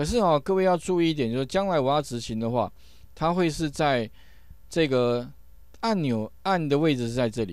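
Lively in intonation, a man's fairly high voice is an ordinary speaking voice. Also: moderate pace. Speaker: programming teacher. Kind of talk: lecture. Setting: remote online class. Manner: filler-heavy, with frequent 哈/哦 particles.

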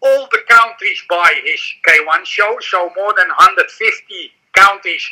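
Very slow speech in a Dutch accent, set against a quiet background. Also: man. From Netherlands. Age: 70s. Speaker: martial arts trainer and gym owner; martial arts trainer. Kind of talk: interview. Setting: video call.

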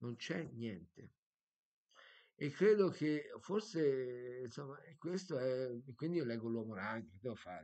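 Over a quiet background, a man with a medium-pitched voice speaks fairly slowly with lively intonation. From Tuscany, Italy (Cetona); Tuscany, Italy. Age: 50s. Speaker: comics video blogger. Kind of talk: casual monologue. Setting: evening solo video recording. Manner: rambling, digressive. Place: home room. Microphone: webcam.

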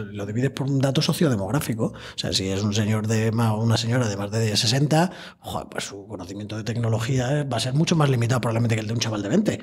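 A man speaks at a very fast pace. There is noticeable background noise. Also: medium pitch for a man, ordinary pitch variation. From Extremadura, Spain (Badajoz). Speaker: sales trainer. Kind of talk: interview. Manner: animated.

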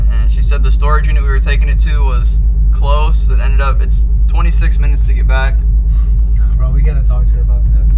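Loud background noise sits under speech that runs at a fairly quick pace. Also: man. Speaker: vlogger doing moving jobs. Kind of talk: casual vlog chat. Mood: mildly frustrated, explaining. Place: car. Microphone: phone near.

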